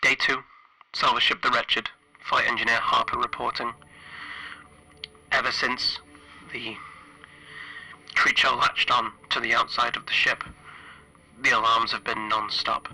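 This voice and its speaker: A man playing a stranded, grieving spaceship engineer recording a radio-like log for a horror tabletop game, halting and deliberate with long pauses. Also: mid-range voice, flat delivery, bright, forceful tone, breathy edge, exaggerated voice, rough recording. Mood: exhausted, strained. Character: stranded male spaceship flight engineer, weary, grieving lone survivor.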